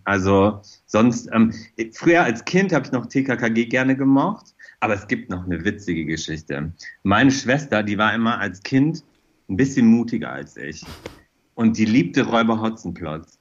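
A man's voice: on the low side, dull audio. A middle-aged man chatting casually as an interview guest, telling personal anecdotes in an enthusiastic, rambling, effusive way. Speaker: interview guest, fashion designer.

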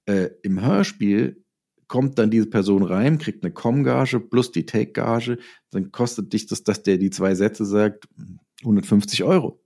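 A man's voice: fairly low pitch, unhurried, gravelly, mellow. A man explaining his craft as a writer in a casual interview, using worked examples. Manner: explains with hypothetical examples and acted-out quotes. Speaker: interviewed writer and audio drama maker.

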